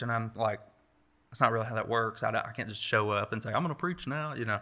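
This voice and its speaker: A man with a Kentucky accent and a bright, sharp tone, in a very clean recording with a silent background. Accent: Southern US, Kentucky. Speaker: visiting preacher. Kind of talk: sermon. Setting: church. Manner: loud.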